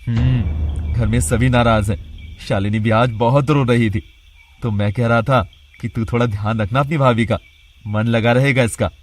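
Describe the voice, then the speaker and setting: A man voicing a calm family member who speaks in a measured, everyday way. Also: mid-range voice, natural voice.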